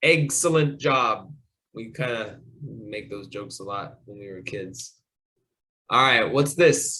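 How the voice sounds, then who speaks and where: Speaking in an American accent at a medium pitch, a man uses a bright, sharp tone and lively intonation at a very slow pace, with long, frequent pauses and big swings in loudness. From United States. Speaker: English teacher. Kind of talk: language lesson for children. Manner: slow, clear, repetitive.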